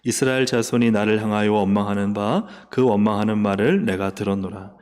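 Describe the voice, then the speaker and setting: A man preaching a sermon as pastor. He acts out complaints in a raised voice and drops to soft, reverent tones. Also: lowish voice, fairly quick. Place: church sanctuary. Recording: long church hall reverb.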